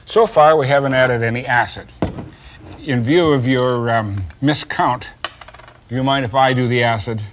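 An older man hosting a science show, patiently explaining an experiment step by step to a child with gentle teasing, recorded on a studio kitchen set. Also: mid-range voice, moderate pace, slight background noise.

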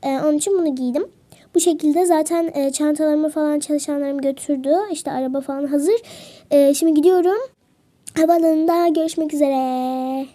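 High-voiced woman chatting to her viewers. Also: steady tone, normal speed, mellow, dry recording. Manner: chatty, talks straight to viewers. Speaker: vlog host narrating a role-play. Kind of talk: role-play vlog narration.

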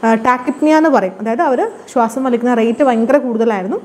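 A woman with a high voice tells her own story in a relaxed, chatty vlog. She talks quickly and drops English words into her sentences. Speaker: vlogger telling her own birth story. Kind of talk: casual personal storytelling.

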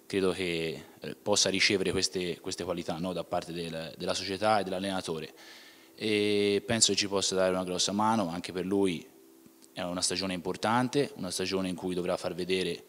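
A man's voice: low voice, flat delivery, normal speed, a bit bright. A young man, a footballer answering interview questions plainly, often restarting and closing with "ecco". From Tuscany, Italy. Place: indoor club museum room. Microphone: handheld mic. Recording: room with long reverb.

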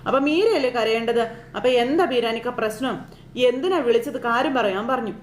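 A woman casually retelling a TV serial episode in a chatty, animated way, often turning to the listener with little asides. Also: on the high side, brisk, slight background noise. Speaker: serial recap storyteller. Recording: echoey room.

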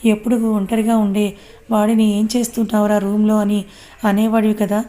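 A woman's voice: mid-range voice, completely flat delivery, fairly quick, dark tone, natural voice. Woman reading a lovesick, stubborn young man. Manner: insistent, defensive.

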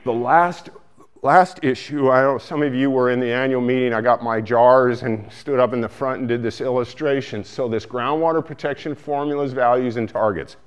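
A man's voice: medium pitch, moderate pace, clear, resonant tone. An older man giving a plain, explanatory talk to farmers in a meeting hall. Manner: plain explaining, some restarts. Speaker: coalition speaker. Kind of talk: presentation to growers. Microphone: far camera, no mic seen.

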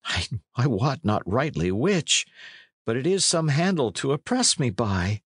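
A man's voice: mid-range voice, very animated, a little slow, fairly bright tone, husky, no echo, studio quality, voice pushed up, exaggerated voice. A man voicing a plaintive, delicate but proud young runaway in a storybook, in courtly pleading archaic speech. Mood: bitter. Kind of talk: storybook character reading.

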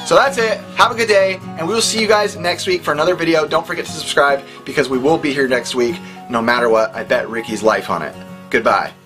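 A man's voice: a little high, fast. A man hosting a retro video game vlog in casual chat, jokey, loose and rambling. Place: indoors, game shop. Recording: voice over loud background music.

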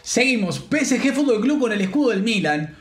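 A man's voice: very high-pitched, fairly quick, reverberant, soft background music. Rioplatense guy hyped opening game packs. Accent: Rioplatense Spanish. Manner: animated, slangy, jokey, shouts with joy. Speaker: gaming streamer. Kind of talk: excited pack-opening commentary.

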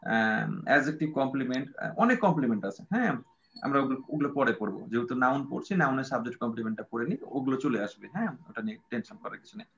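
A man's voice: medium pitch, expressive, very fast. A man teaching an English grammar class, patient and repetitive, with many fillers. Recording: dull lo-fi sound.

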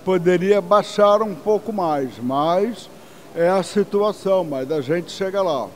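A man's voice: high voice, measured pace. An easygoing man answering a street reporter outside at night. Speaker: theatergoer.

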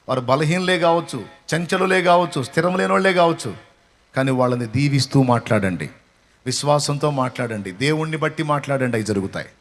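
A male pastor preaching a sermon with impassioned, repetitive exhortation that swells into loud declarations. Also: mid-range voice.

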